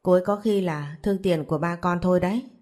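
A woman reading as a gossipy sharp-tongued young woman. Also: lowish voice, fast talker, lightly acted. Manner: gossipy, blunt.

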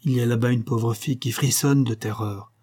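A calm and wise Hindu guide speaks in a measured, solemn way, as a man reads him in an audiobook. The voice is husky and dark. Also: medium pitch, lightly acted.

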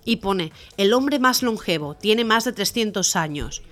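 A woman co-hosting a community radio comedy show, chatty and quick to laugh, on a studio mic. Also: medium pitch, animated, a bit bright, soft background music. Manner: chatty, laughs easily, restarts sentences. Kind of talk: telling jokes on community radio.

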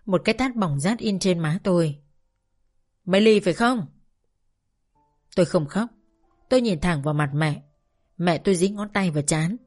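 Calm low-voiced woman narrator. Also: soft background music. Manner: calm, measured storytelling. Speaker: audiobook narrator. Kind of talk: scripted narration.

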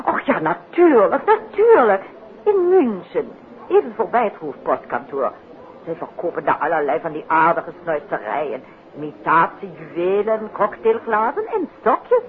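A flustered, evasive society businesswoman who chatters in a 1950s radio drama. Her pitch leaps about dramatically. The sound is narrow and tinny, like an old broadcast. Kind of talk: 1950s Dutch radio play acting.

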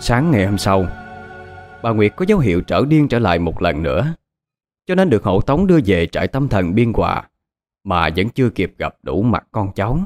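Animated man narrating a ghost story. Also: on the low side, normal speed, soft background music. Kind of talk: scripted horror story narration.

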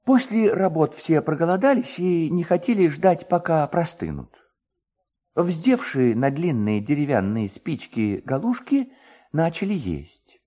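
A man's voice: fairly high pitch, very animated, a little slow, dark tone. A man voicing a superstitious, talkative village distiller in a storybook reading, anxious and pleading in manner. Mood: eager storytelling.

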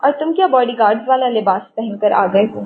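A woman's voice: on the high side, animated, natural voice. A woman voicing a haughty, irritable wealthy wife who speaks curtly and scolds. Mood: irritated. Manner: curt, scolding. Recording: tinny phone-like audio, faint hiss.

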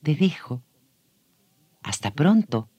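A man's voice: on the high side, very animated, slow pace. A man telling a story on a children's radio show, speaking expressively and addressing young listeners directly.

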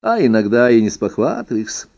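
A man reading an ironic first-person essay aloud, with expressive, playful emphasis. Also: mid-range voice, brisk, vocal fry. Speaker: reader. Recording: dull lo-fi recording.

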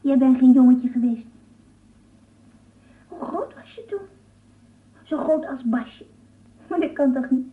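A woman's voice: high-pitched, slow pace, long pauses. A woman playing a naive, curious small child in a radio drama, eagerly asking questions, both thrilled and scared. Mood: curious, teasing. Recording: distant, phone-like archive radio recording.

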